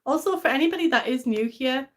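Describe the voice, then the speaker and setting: A woman's voice: high-pitched, fast. Chatty woman with a mixed English-Scottish accent. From England. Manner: chatty, rambling, many fillers and restarts. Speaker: livestream host. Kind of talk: casual live stream chat reading comments.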